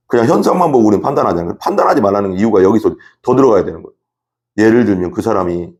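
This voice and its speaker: A man's voice: fairly low pitch, darkish tone. A man preaching a sermon as pastor. He repeats words for emphasis, acts out little scenes, and keeps asking his listeners questions. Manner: emphatic, repetitive, acts out examples and asks the congregation questions.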